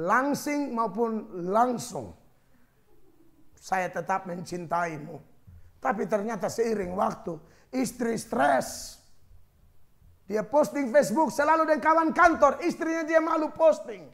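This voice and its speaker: A man from eastern Indonesia preaches a sermon. His voice sits very high and has a gravelly edge. He is an animated storyteller who acts out dialogue with humor. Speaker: pastor.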